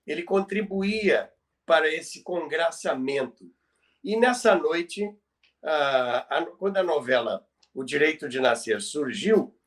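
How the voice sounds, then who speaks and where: An older Brazilian man hosts a talk about bygone days in a measured, explanatory manner. His voice sits a little higher than most men's. He sounds slightly away from the microphone. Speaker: podcast host. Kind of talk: reminiscing talk on radio history. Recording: somewhat distant from the mic.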